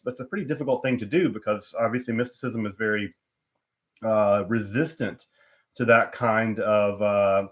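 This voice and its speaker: A man hosting his own live stream, talking casually with lots of fillers and restarts while stuffed up with a cold. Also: on the low side. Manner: rambling, many fillers and restarts. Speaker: channel host.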